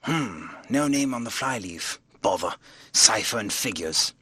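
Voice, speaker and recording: A man voicing an irritable, earnest gentleman investigator in an audiobook, clipped and easily rattled. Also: on the low side, animated, unhurried, breathy edge, no room sound, heavily acted. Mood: eager, then frustrated.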